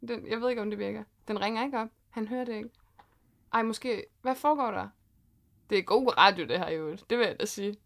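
A woman's voice: medium pitch, gravelly, no echo. A young woman from Denmark co-hosting a casual podcast, teasing and blunt, laughing often. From Denmark, Esbjerg area. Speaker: podcast co-host.

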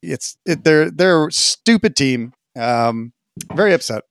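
Animated sarcastic man, dry sound. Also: on the high side, a little slow, vocal fry, no room sound. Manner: animated, sarcastic, swings loud and quiet. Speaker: podcast co-host. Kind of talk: casual gaming podcast chat.

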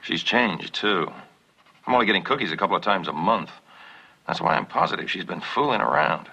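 A gravelly, grumbling soldier. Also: male voice, sits low, lively intonation, fairly quick, bright, forceful tone, exaggerated voice. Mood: grousing. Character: grumbling wounded soldier, jealous husband. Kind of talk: 1970s TV sitcom acting. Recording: dull lo-fi TV audio.

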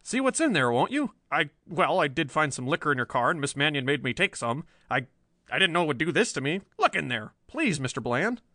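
A man voicing a frightened, excitable male policeman who pleads in a rushed, frantic way. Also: fairly high pitch, no echo, clean studio sound, voice pushed up.

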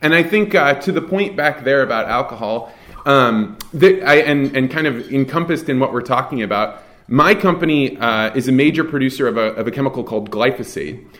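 A man's voice: mid-range voice, a little fast, fairly bright tone. A man sits on a discussion panel and makes his case earnestly. His voice sits in the middle range. He explains step by step.

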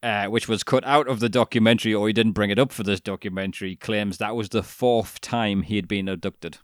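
A man's voice: fairly low pitch, steady tone, brisk, dry recording, studio quality. A man co-hosting a podcast, rambling through a casual chat about a documentary with frequent restarts, fillers and the odd swear word. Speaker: podcast co-host.

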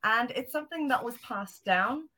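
A woman from Zimbabwe and South Africa, a guest telling her story in a lively interview. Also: on the high side, moderate pace. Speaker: guest, psychic medium and author. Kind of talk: interview answers.

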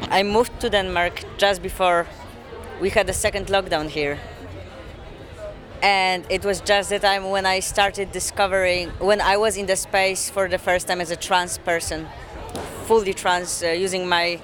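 Reflective street interviewee outdoors. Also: female voice, mid-range voice, fairly even intonation, fairly bright tone, some chatter behind. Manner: reflective, halting personal account. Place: outdoors in a city.

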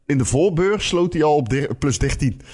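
A man's voice: on the high side, moderate pace, husky. A man co-hosting a podcast in casual chat, talking animatedly with many restarts and laughs as he tells a story. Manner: animated, stumbling restarts, laughs while telling. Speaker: podcast co-host.

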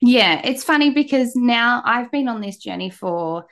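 A woman's voice: on the high side, lively intonation, unhurried, a bit bright. Chatty Australian woman guest. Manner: chatty and explanatory. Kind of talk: casual podcast interview.

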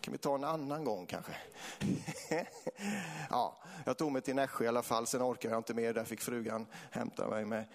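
A man's voice: mid-range voice, big-room sound. A man from Småland giving a church sermon with a Småland accent, telling personal stories with laughter and rising to fervent preaching. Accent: Småland Swedish.

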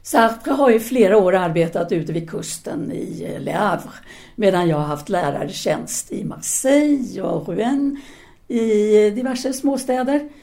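A woman's voice: mid-range voice, animated, creaky, mellow. An actress playing a self-assured, independent-minded French woman teacher in a 1930s audio drama, speaking formally and didactically. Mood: firm, reflective. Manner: formal, articulate, didactic, with hesitant pauses.

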